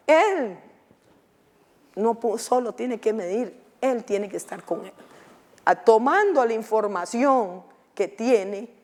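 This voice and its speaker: A woman giving a conference lecture to students, often asking the audience questions. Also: a little high. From Costa Rica. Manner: lively, questioning the audience with frequent tag questions. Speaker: legal advisory coordinator giving a talk. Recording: long hall reverb.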